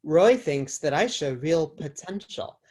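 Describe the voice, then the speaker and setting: A woman's voice: low voice, lively intonation, measured pace, darkish tone. A woman playing a cool, matter-of-fact teenage girlfriend in a comic screenplay table read. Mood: firm, matter-of-fact.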